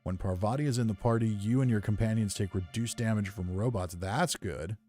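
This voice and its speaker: Male gamer, lowish mellow voice, casual playthrough commentary, easygoing, faint music behind. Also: brisk. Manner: easygoing, thinks aloud.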